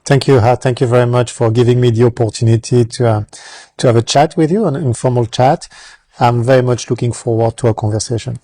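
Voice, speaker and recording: Hesitant French man, mellow voice. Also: medium pitch, fairly even intonation, brisk, dry recording. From France. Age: middle-aged. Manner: hesitant, many fillers and restarts. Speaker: guest. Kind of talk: casual interview.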